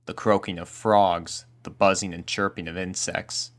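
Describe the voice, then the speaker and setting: A man reading a scripted spooky story aloud as narrator, with a measured, suspenseful storytelling delivery. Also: deep voice, little pitch movement. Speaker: fan fiction narrator.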